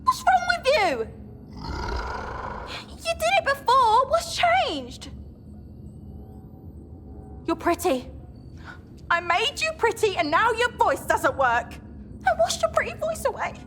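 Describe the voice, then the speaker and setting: A woman's voice: very high voice, wildly swooping pitch, slow pace, long pauses, exaggerated voice. A woman voicing a vain, dramatic young female pop star captain in a cartoon, bossy and whiny, with music behind. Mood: upset.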